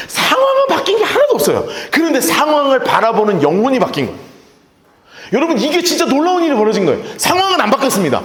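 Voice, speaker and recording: A man preaching a sermon in a reverberant church hall, his voice sitting high and swinging widely as he plays out little scenes. He jokes with the congregation between points. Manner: animated, acts out quoted speech; humorous asides to the congregation. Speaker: pastor. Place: church sanctuary.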